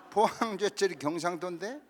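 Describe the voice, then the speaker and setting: A Korean pastor in his fifties preaching a lively, humorous story sermon at a church camp, acting out the people in his story. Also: sits high, unhurried, some chatter behind, slight background noise. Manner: animated storytelling, acting out quoted voices with laughter.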